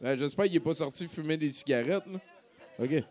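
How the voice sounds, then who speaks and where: A man's voice: fairly high pitch, brisk, a little mellow. A man hosting a live radio show, announcing with energy and many filler words. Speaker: radio host.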